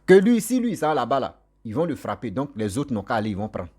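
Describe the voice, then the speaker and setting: A man, not a native French speaker, tells a story to his viewers in a lively, repetitive, chatty way. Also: medium pitch, brisk, slightly rough. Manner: animated, repetitive, warm direct address to viewers. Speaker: storyteller vlogger. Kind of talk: casual spoken storytelling.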